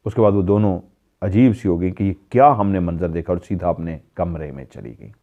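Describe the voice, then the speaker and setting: A man with a low voice narrates a paranormal tale. He raises his voice to mimic the calls of the people in it. The recording is dull and lo-fi. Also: moderate pace. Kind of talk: storytelling narration. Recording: dull lo-fi sound.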